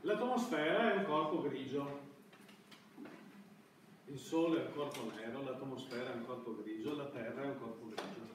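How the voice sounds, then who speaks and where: A middle-aged man giving a classroom lecture in a halting, hesitant way. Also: mid-range voice. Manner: halting, hesitant delivery with broken-off words. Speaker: university lecturer. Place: university classroom, indoors. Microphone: far camera at back of room. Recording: echoey room, distant microphone, background noise.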